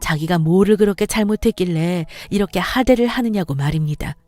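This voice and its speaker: Woman narrating a radio story over soft music. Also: on the low side, fairly quick. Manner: plain storytelling, talks to listeners.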